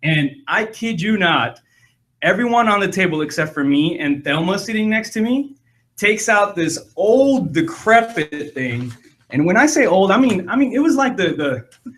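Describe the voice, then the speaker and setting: A man's voice: sits high, very animated, unhurried, fairly bright tone. A man hosting a podcast, telling a rambling funny story with lots of repeated words and laughter. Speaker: podcast host. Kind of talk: casual storytelling.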